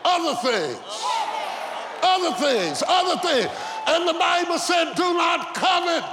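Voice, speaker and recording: A man's voice: very high-pitched, very animated, a little slow. A man preaching an emphatic sermon to a live congregation, repeating phrases for effect and calling for a response. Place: large indoor church service. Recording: noisy live hall with loud crowd. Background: congregation crowd noise.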